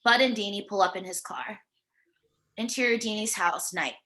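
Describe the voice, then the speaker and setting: A woman's voice: mid-range voice, normal speed, pushed and bright. A woman narrating a screenplay, reading out scene headings and stage directions for a table read. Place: remote virtual table read.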